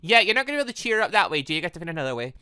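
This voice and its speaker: A video game let's-player giving rambling, excitable, casual commentary while playing. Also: mid-range voice, rapid-fire, clear, resonant tone, no room sound, studio quality. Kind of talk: casual gameplay commentary and read-aloud.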